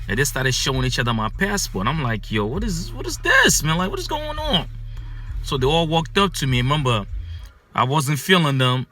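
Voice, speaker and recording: A man in his thirties talks straight into a phone camera from his parked car at night. His voice is bright and forceful, and he circles back over the same points with a steady run of fillers. Faint music plays underneath. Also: mid-range voice. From Ghana. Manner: animated, repetitive storytelling with many fillers. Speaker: vlogger. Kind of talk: casual storytelling. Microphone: phone camera held close.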